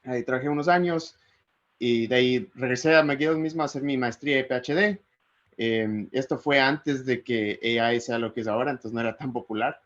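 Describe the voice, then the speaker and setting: A man from Ecuador, giving a relaxed academic talk over a video call and thinking aloud as he goes. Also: medium pitch, fairly quick. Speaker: guest speaker. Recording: slightly muffled video call audio.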